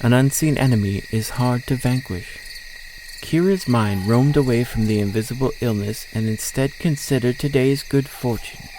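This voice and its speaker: A man with a mid-pitched voice narrates a scripted audio story. Faint outdoor nature sounds and insects run behind his reading. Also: normal speed, warm tone, a little hiss or hum, poor audio.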